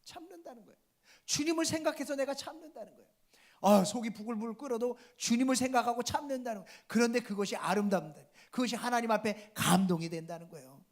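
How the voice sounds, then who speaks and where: High-pitched male pastor preaching. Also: fast talker. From South Korea. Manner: preaching with repeated appeals to the congregation. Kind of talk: sermon.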